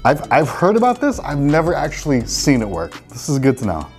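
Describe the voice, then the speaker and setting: A man's voice: medium pitch, wildly swooping pitch, a little fast, faint music behind. A man in his forties, a salon owner hosting casual reaction commentary in a salon, wry and opinionated. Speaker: salon owner and show host. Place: salon with product shelves, indoors.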